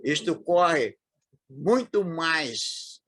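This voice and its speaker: A man in his eighties with a São Paulo accent, reminiscing as an interview guest, talking haltingly with frequent restarts and fillers. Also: fairly high pitch, animated, fairly bright tone, no room sound, clean studio sound. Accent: Paulistano Brazilian Portuguese. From São Paulo, Brazil. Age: 80s.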